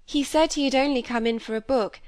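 A woman's voice: a little mellow, lightly acted. A woman doing an earnest young girl. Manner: higher, quick and careful telling.

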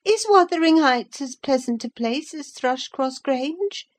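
Frail young boy for a storybook, high childish pitch, plaintive and questioning, woman doing it. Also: expressive, unhurried. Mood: curious.

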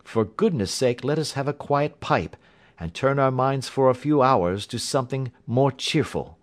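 A man voicing a sharp-minded male detective, speaking in a crisp, explanatory manner. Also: medium pitch, expressive, measured pace, pitched above the performer's own voice, close to an everyday voice. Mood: intense. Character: Holmes, sharp reasoning male detective, adult.

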